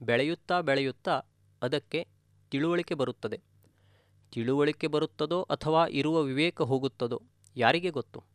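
Brief: male meditation teacher, measured discourse, close dry sound. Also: on the high side, no echo. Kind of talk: spiritual discourse.

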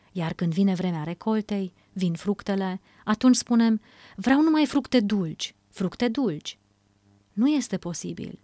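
Woman giving a measured dry sermon. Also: medium pitch, darkish tone, no echo. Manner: measured, repetitive, emphatic. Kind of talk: dubbed sermon.

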